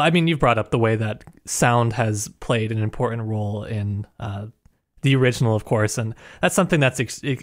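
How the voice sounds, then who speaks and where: A man hosting a literature podcast, asking long searching questions with many fillers and hesitations. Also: lowish voice. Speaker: podcast host. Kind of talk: casual podcast conversation.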